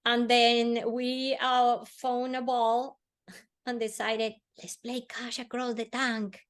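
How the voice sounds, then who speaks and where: A woman from Colombia speaks, pitched a little high. She tells a personal story earnestly as an interview guest. She eases into a slower, softer delivery on the heavier parts. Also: level tone. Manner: earnest, slowing and softening on emotional words. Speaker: podcast guest.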